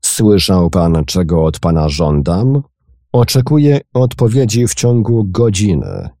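A man voicing a cool, bold gentleman adventurer who speaks calmly and firmly in a storybook reading. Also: fairly low pitch, measured pace, no echo, clean studio sound, voice pushed up. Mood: commanding. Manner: calm, firm, commanding.

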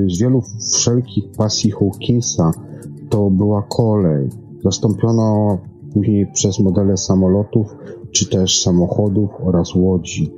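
A man with a low, mellow voice presents a science programme from a script. He reads haltingly and trips over words now and then. The recording is dull and lo-fi, with music playing behind him. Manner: halting reading with stumbles and repeated words. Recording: dull lo-fi sound.

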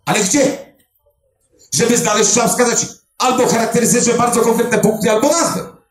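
An older man who finds missing people, telling a story to a live audience with emphatic, animated delivery and dramatic pauses. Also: very high-pitched. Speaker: clairvoyant body finder. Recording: roomy echo.

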